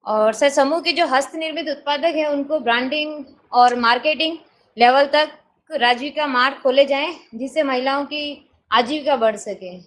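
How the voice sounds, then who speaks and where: A woman's voice: high voice, normal speed, a bit bright. A woman from a self-help group making polite, formal suggestions on a video call. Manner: polite, keeps saying sir.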